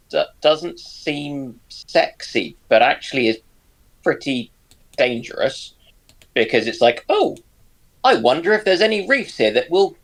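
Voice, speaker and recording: A man chats informally about history at a slow pace. His voice sits a little high for a man and has plenty of fry. He is halting, searching for words as he goes. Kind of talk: casual history chat.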